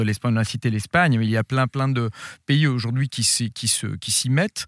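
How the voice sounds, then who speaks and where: Recorded dry and close with no echo against a silent background, a man with a slight Italian accent talks at a moderate pace with ordinary pitch variation. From Italy. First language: Italian (speaking French). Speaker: food journalist. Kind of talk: radio interview.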